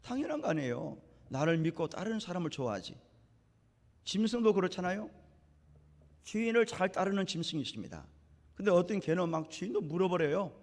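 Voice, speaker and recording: Animated high-pitched male preacher. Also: brisk. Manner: animated preaching, acting out biblical dialogue with rising emphasis. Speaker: pastor. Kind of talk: sermon. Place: church sanctuary. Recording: long church hall reverb.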